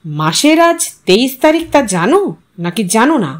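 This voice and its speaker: A woman's voice: fairly high pitch, big pitch swings, normal speed. A woman voicing a proud, grumbling husband who worries about money, in a sarcastic, complaining manner.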